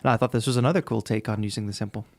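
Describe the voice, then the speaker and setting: A man hosting a live stream, chatting casually and giving conversational, softened critique of music. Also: on the low side, steady tone, racing. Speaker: host judging music challenge entries.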